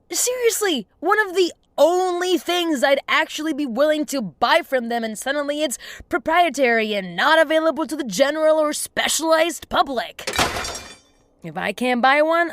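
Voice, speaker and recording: Animated, high-voiced frazzled engineer played by a woman. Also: no echo, close to an everyday voice. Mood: exasperated. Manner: muttering, exasperated, animated. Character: scrappy, sweary, frazzled woman engineer who talks to herself. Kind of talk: audio drama acting.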